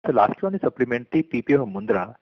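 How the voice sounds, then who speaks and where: Indian guy analyst on results call, creaky voice, dry muffled line, formal questions. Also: on the high side, big pitch swings, very fast, dry recording. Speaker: financial analyst asking questions. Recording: dull, dry phone conference line.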